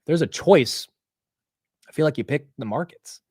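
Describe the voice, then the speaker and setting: A man's voice: a little high, normal speed, breathy edge, no echo, clean studio sound. A young American man hosting a casual market livestream, ranting with profanity and poking fun at himself. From United States. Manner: animated, ranting, profane and self-mocking. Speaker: livestream market show host.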